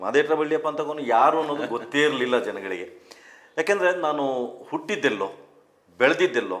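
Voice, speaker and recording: A man talks at a fairly high pitch with lively intonation. There is vocal fry in his voice. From Karnataka, Mysore district and Kodagu. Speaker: radio announcer and theatre artist. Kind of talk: interview.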